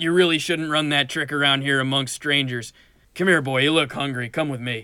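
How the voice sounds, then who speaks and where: Using a gruff, put-on character voice, a man talks at a fairly quick pace with a fairly high pitch and fairly even intonation. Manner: amused, gruff.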